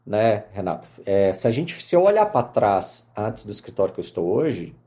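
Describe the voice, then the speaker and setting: Homem mineiro animado, voz escura. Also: male voice, fairly low pitch, normal speed. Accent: Mineiro Portuguese. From Minas Gerais, Brazil. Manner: animated storyteller, many fillers. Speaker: lawyer, podcast guest. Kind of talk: casual interview conversation.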